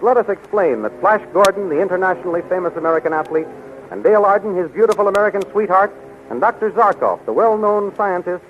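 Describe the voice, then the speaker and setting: A tinny, faintly hissing old radio recording carries a male announcer with a high-pitched voice. He narrates in the dramatic, declamatory manner of a 1930s serial.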